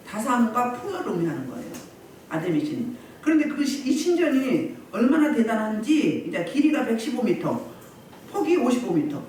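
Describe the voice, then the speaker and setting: A woman pastor delivers a sermon at a healing service, her pitch swinging widely as she acts out shouting crowds. She is heard from a distance, and her voice rings around a very reverberant room with faint noise underneath. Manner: animated, acts out crowds and quotes. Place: church meeting room. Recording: echoey hall, distant mic.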